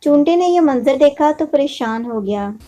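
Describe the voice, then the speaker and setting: A woman narrates a children's moral tale as a storyteller. Her voice is high-pitched and mellow, reading from a script. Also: lively intonation, normal speed.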